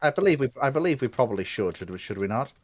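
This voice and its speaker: A man speaking as a panelist in a casual livestream chat, deliberate and given to repeating phrases. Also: medium pitch, big pitch swings.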